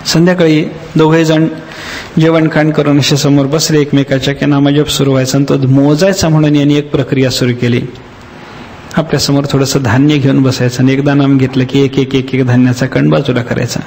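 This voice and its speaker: A man giving a devotional discourse as a spiritual teacher, telling a story with lively acted-out voices and slowly chanted verses. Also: mid-range voice. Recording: long hall reverb.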